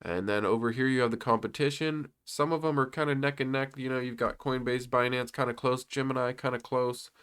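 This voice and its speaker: A man's voice: mid-range voice, steady tone, fairly quick, hardly any pauses, a bit bright, smooth. A young man with a congested voice, rambling loosely through stock and crypto slides in a casual commentary. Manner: loose and rambling, with many fillers and restarts. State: congested from a cold.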